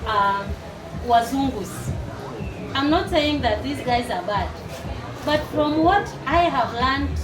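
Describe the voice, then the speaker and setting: A woman in her forties from Uganda, a teacher and network marketer, giving a lively testimonial to a live audience and rallying them to clap. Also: high voice. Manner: lively, rallies the crowd to clap. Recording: echoey hall, far from the mic, noisy.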